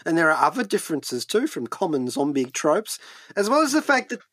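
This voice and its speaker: A man's voice: a little high, big pitch swings, fairly quick, a bit bright, no echo. A man chatting as a radio co-host and reviewer, hesitantly repeating words as he goes. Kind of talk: conversational review chat. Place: radio studio.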